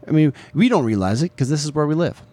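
A man's voice: fairly high pitch, expressive, quick pace, warm tone, dry recording. A middle-aged man with a Midwestern US accent, co-hosting a casual chat in a chatty, teasing, rambling way. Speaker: podcast co-host, parent.

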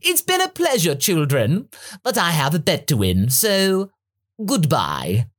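A man voicing a smug, cruel alien male tyrant, speaking in a pompous, drawn-out, high voice. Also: wildly swooping pitch, fairly bright tone, exaggerated voice. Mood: gloating.

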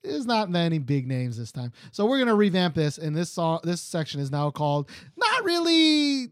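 A man chats as co-host of a podcast, joking and laughing as he goes. His pitch swings widely and his voice stays lively. The sound is close and dry, with no room around it. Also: moderate pace, dry recording. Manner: animated, jokey, laughs often. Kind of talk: casual chat. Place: Seoul, South Korea.

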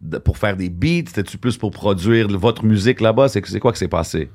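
Low-voiced co-host, easygoing. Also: male voice, a little fast, darkish tone. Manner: easygoing, asks questions, mixes English. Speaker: podcast co-host. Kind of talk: casual interview chat.

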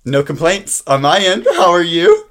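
A man's voice: high-pitched, wildly swooping pitch, normal speed, fairly bright tone. A young adult man co-hosting a podcast, upbeat and enthusiastic, reading out background notes in a chatty way. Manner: upbeat and enthusiastic, laughs easily. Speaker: podcast co-host.

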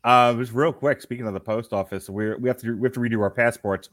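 A man's voice: medium pitch, steady tone, fast talker, fairly bright tone, dry recording. A man in casual conversation as a podcast co-host, rambling along conversationally. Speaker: podcast co-host and network owner. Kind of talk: casual chat.

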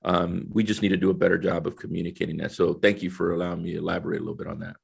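A man's voice: sits low, little pitch movement, racing, gravelly, slightly rough. A middle-aged man from El Salvador, a guest in a conversational interview, explaining things earnestly and step by step. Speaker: guest, corporate diversity executive.

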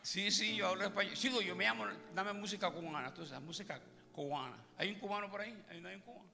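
A pastor jokes his way through a sermon and teases his listeners. His voice is high with a gravelly edge. He is heard in a large church hall with long reverb and music under him. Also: animated, fast talker. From Puerto Rico. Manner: joking, teasing the congregation. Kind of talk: comic sermon. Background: music playing.

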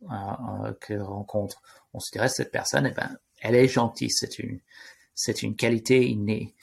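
A man with a foreign accent, not a native French speaker, explaining unscripted in an interview, haltingly, often searching for words and rephrasing. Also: medium pitch, creaky, breathy edge. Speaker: interview guest, AI risk expert.

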